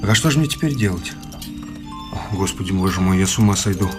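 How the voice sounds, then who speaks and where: An actor playing a poor, hard-working young idealist husband in a classic Russian radio drama, with an earnest, moralising, pleading manner. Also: male voice, sits low, animated, brisk, music in the background. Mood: despairing. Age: young adult.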